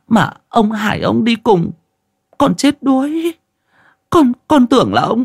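A man's voice: extremely high pitch, gravelly, slightly rough, no room sound, clean studio sound, pitched above the performer's own voice, heavily acted. A man voicing a flustered middle-aged wife who stammers and wails as she explains. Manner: stammering, wailing.

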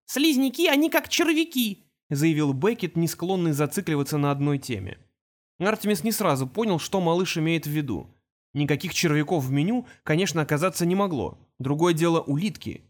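A man narrating an audiobook in an expressive storytelling manner. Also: on the high side, a little fast. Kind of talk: scripted narration.

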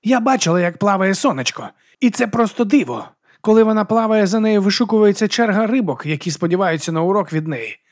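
Brash female werewolf warrior, much higher and louder than plain speech, as a man voices her. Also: lively intonation, brisk, hardly any pauses. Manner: coarse, loud and brash.

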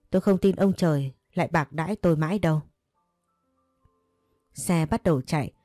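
Low, mellow woman narrating a story. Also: no echo, clean studio sound. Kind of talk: scripted first-person story narration. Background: faint music.

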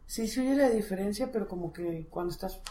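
A woman with a Mexican Spanish accent, a student softly repeating words after her teacher. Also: medium pitch, a little fast, recorded from a distance. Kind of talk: repeating words in an English lesson. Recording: roomy echo, from off the mic.

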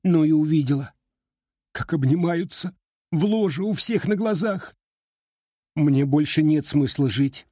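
A man's voice: on the high side, measured pace, long pauses, dark tone, no room sound, clean studio sound, voice pushed up. A man voicing a tearful, heartbroken young woman who speaks in a whiny, pleading way while crying. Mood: despairing.

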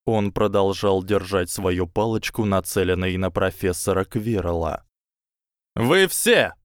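Slow measured male audiobook narrator. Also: low voice, flat delivery, no echo, studio quality. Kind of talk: scripted narration.

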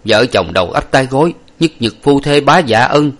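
A man's voice: medium pitch, brisk, close to an everyday voice. A man voicing a devoted young husband who cries and laments over his wounded wife. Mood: tearful. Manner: wailing, lamenting. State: crying. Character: devoted young husband, grief-stricken fighter.

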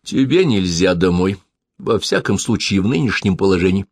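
A man reading the lines of a cold, disapproving middle-aged mother in a flat, deadened tone. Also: low voice, moderate pace, no room sound, clean studio sound.

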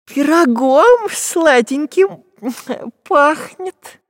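A man's voice: very high voice, animated, very slow, a bit bright, no echo, clean studio sound, voice pushed up, exaggerated voice. A man voicing a whiny, cowardly, long-nosed male spy in a nasal, whimpering voice.

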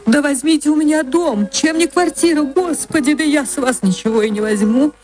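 A woman playing a kind, soft-hearted middle-aged woman who speaks tenderly and emotionally in a radio play. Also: high-pitched, normal speed, soft background music, voice pushed up, close to an everyday voice. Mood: tearful.

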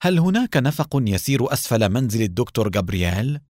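A calm police captain who speaks quietly and evenly, read by a man. The storybook reading is dry and close, with lively pitch. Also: no echo, natural voice. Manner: quiet and measured. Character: calm male police captain, team leader.

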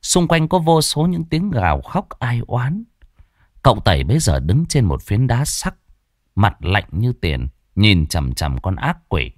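A man tells a ghost story with dramatic, expressive narration. His voice sits low with a very lively pitch. The sound is close and dry. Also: measured pace, no echo.

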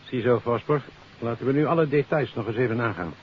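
Male actor as brisk police chief, rapid delivery, authority figure, vintage radio drama, dull sound. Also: medium pitch, lightly acted. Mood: brisk, businesslike. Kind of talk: 1950s radio drama acting. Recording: muffled, faintly noisy 1950s radio recording.

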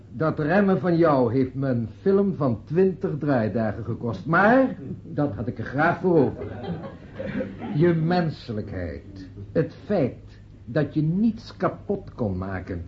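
Sentimental orator, radio drama, slow declamation, sweeping intonation, dull recording. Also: male voice, fairly high pitch, very animated, slight background noise. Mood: solemn, tender. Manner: declamatory, deliberate, with dramatic pauses. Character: theatrical male friend delivering a solemn, sentimental funeral eulogy. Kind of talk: Dutch radio drama acting.

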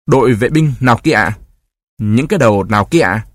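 A man voicing a sensible young schoolboy who reasons in an earnest way, with a husky voice. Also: medium pitch, lively intonation, a little fast, no echo, close to an everyday voice.

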